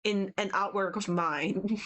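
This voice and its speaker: This young art streamer from Hong Kong, a native Cantonese speaker, talks slowly at medium pitch with fairly even intonation and a slightly bright tone. Chatty and rambling, she answers viewer chat while drawing at home on vacation, using a poor-quality mic.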